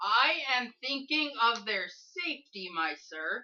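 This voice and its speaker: A woman's put-on character voice at a fairly high pitch. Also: fairly slow pace. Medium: actual play. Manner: formal, earnest.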